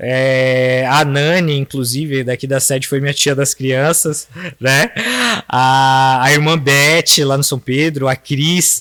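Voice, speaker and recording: A man speaks at a very slow pace. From Brazil, São Paulo area (Santana de Parnaíba). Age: 30s. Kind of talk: casual interview, life testimony. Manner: halting, many fillers.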